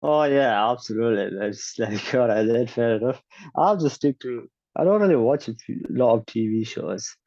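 A man's voice: mid-range voice, moderate pace, a little mellow, no echo. An opinionated young man in a casual chat, telling stories and voicing the people in them. He stammers when he restarts a sentence. The recording is dry and slightly dull. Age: 20s. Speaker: conversation partner.

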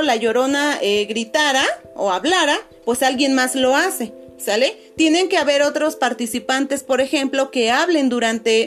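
A woman teacher, talking patiently to her pupils on a video call and filling pauses with "este". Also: high voice. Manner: patient, many fillers, calls pupils "chicos" and "corazones". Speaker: schoolteacher. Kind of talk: online class video call.

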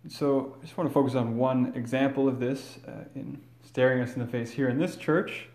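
A man serving as priest, reading the Gospel and then preaching a homily in a measured, earnest way, with some fillers and restarts, recorded in a large church with cathedral echo. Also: mid-range voice, steady tone, a little mellow.

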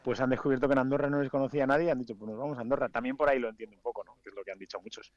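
A man's voice: mid-range voice, fairly even intonation, racing, no room sound. Male radio guest with a Spain Spanish accent, rambling and candid, on a slightly muffled line. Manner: rambling, frank, trailing off into fillers. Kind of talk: casual radio interview chat.

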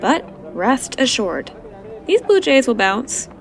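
Female smuggler, actress: sly, dismissive, sarcastic, slow delivery, higher register, audio drama. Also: big pitch swings, a little hiss or hum, full character voice. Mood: smug, sly. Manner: sarcastic, offhand.

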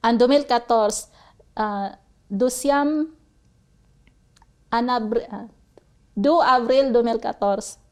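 A woman in her forties from the Philippines with a Filipino accent, whose first language is Bisaya, answering interview questions haltingly and searching for her words. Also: on the high side. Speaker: interview guest. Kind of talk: casual interview.

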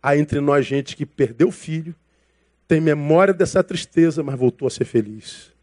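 A man's voice: fairly high pitch, unhurried, a little mellow. A man preaching a sermon as a pastor. He talks in a casual, slangy way, calls his listeners brother, and acts out dialogue from his stories.

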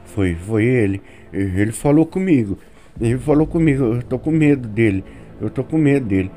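A man voicing a nervous teenage boy who stammers quietly and sounds frightened. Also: medium pitch, animated, normal speed, faint music behind, natural voice.

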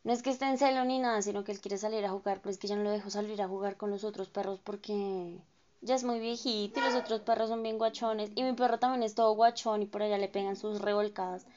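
A woman's voice: medium pitch, level tone, quick pace, darkish tone, slight background noise. Colombian girl in her 20s rambling on her podcast, slangy and self-deprecating, kinda muffled lo-fi audio. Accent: Colombian Spanish. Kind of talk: casual chatty monologue. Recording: dull lo-fi sound.

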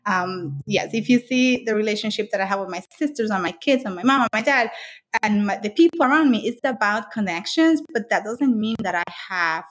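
A woman's voice: mid-range voice, animated, fairly quick. A middle-aged woman from the Dominican Republic, talking earnestly in an interview about her work and life, with frequent restarts and fillers. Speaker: author and interviewee. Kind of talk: conversational interview.

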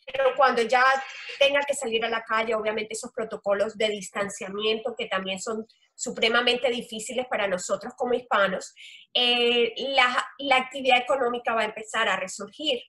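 A middle-aged woman from Colombia with a strong Caribbean coast accent, explaining her work as a loan officer in an interview, earnest and filling pauses with "eh". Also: a little high, pushed and bright. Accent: Colombian Caribbean coast Spanish. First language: Spanish. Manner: earnest, explanatory, with frequent "eh" fillers. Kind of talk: interview answers.

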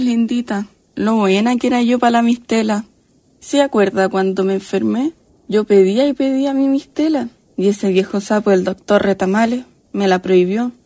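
Woman acting a chatty, high-voiced Chilean country ghost. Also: darkish tone, no echo, natural voice. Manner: folksy, chatty, affectionate diminutives. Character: chatty countrywoman ghost, sweet-tongued, content, fond of drink. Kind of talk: radio drama acting.

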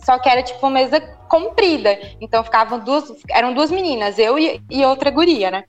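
A Brazilian woman with a Brazilian Portuguese accent, telling a story in a casual chat and filling pauses with "né". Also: high voice, dull audio, faint music behind. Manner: animated storyteller, many fillers like "né".

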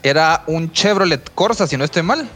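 A man telling a road-trip story on a podcast, animated and profane. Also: fairly high pitch, moderate pace, soft background music. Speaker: podcast host. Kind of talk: casual storytelling chat.

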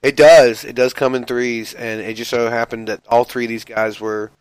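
A man's voice: medium pitch, little pitch movement, moderate pace, a little mellow, clean tone, no echo, rough recording. Male podcast host, under the weather, mid-range voice, teasingly boastful banter. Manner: boastful, joking self-praise. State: sick, coughing. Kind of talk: casual podcast chat.

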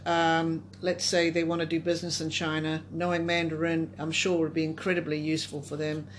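A woman's voice: low voice, flat delivery, fairly quick, slight background noise. A woman moderating a conversational discussion, putting questions and responding.

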